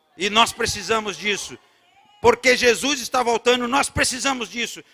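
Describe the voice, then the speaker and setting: This man speaks at a moderate pace with an extremely high pitch. His voice is raised and projected. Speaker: preacher. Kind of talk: sermon. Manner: animated.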